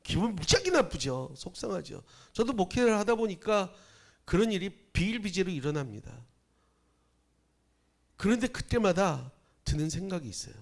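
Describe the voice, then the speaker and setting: Male pastor, Gyeongsang-born with a Jeolla lilt, preaching in a lively, rather high voice; chatty sermon full of questions to the congregation. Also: normal speed, creaky. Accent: Gyeongsang Korean with Jeolla dialect habits. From Gyeongsang region of Korea. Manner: conversational preaching with rhetorical questions, shifting between loud and hushed. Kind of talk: Sunday sermon. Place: church.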